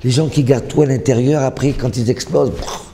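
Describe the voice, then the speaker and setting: A man, a rabbi, giving an earnest sermon, urging listeners with repeated phrases and closing with a soft blessing. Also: brisk. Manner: earnest, repetitive exhortation that swells louder and higher on key phrases; drops to a soft low blessing at the close.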